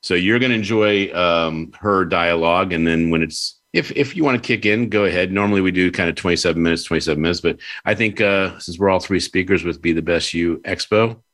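A man's voice: low-pitched, fairly quick, fairly bright tone. A man hosting an interview show, upbeat and rambling in casual chat. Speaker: podcast host.

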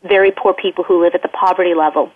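A woman's voice: lowish voice, fairly even intonation, fast talker. A woman children's book author speaking in an interview, rambling along with many fillers and restarts. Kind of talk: casual interview over the phone. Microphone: telephone. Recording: tinny phone line.

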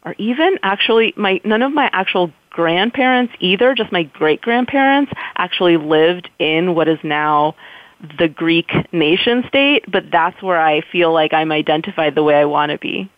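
A woman's voice: lowish voice, expressive, moderate pace, dry recording. An American woman, an author guest, answering interview questions in a thoughtful, searching way with many restarts. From United States. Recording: dry tinny phone line.

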